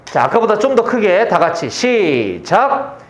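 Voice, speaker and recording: A man's voice: sits high, very animated, measured pace. A pastor giving a chatty expository sermon at a church service, explaining a scripture passage and asking his listeners questions. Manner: conversational, asks the audience questions. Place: church service at a military base. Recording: echoey room, dull lo-fi sound.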